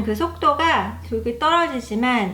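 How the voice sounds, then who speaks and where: A woman's high voice at a very slow pace, lively in intonation, amid noticeable background noise and audible room echo. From South Korea. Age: 40s. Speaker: beauty YouTuber. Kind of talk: casual chat. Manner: conversational, chatty.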